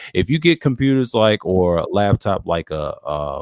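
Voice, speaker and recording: A man with a very deep, low voice, recorded dry and close with no echo. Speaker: live stream host. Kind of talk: casual chat.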